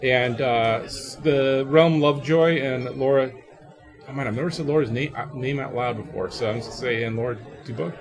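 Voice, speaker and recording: A man's voice: mid-range voice, normal speed. A man giving a casual, tongue-in-cheek interview as a game developer, recorded in an echoey hallway. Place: open convention hallway at a game table. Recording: echoey hallway with crowd chatter. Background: crowd noise from a convention.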